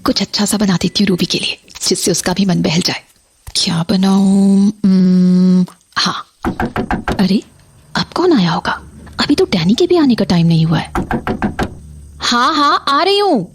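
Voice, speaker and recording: A woman's voice: medium pitch, expressive, a little slow, pauses often, noisy background. A woman voicing a middle-aged mother who is caring at home but cold and commanding toward her son, in a horror audio drama. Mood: homely. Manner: stern, cutting, commanding.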